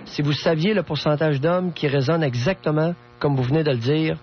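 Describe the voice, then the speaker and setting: A man's voice: a little high, a little fast, a little hiss or hum. A man with a Quebec French accent hosting a radio phone-in, speaking in a blunt, lecturing manner. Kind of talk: conversational phone-in counselling. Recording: dull lo-fi radio recording.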